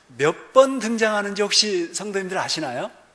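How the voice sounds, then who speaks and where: Noticeable background noise behind a man speaking at a fairly slow pace. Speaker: missionary preacher. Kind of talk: sermon. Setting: church.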